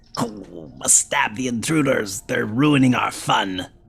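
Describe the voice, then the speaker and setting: Putting on a raspy character voice, a man speaks at a fairly slow pace with a medium pitch. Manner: mischievous, eager to stab intruders.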